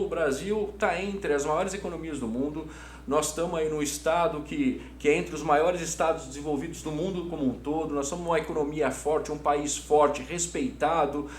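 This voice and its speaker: A middle-aged Brazilian man answering conversationally as an interview guest, enthusiastic and emphatic, often repeating his words. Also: a little high. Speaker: interview guest, hotel business executive. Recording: roomy echo, audible background hum.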